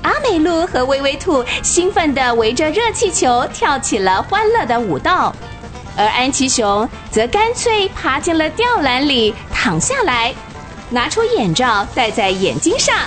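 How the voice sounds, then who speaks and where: A woman narrating a children's radio drama with expressive, vivid storytelling. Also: sits high, unhurried, soft background music, exaggerated voice.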